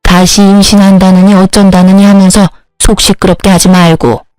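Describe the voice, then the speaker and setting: A woman's voice: medium pitch, little pitch movement, moderate pace, darkish tone, dry recording, faint music behind, lightly acted, poor audio. A woman voicing a domineering older mother-in-law who scolds and gives orders, in a storybook reading. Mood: bossy. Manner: commanding, scolding.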